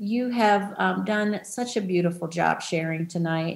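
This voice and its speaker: This woman has an ordinary speaking voice with an American accent and a fairly low pitch. She talks at a moderate pace with ordinary pitch variation. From US South. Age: 50s. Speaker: racial equity facilitator. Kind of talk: facilitated community discussion.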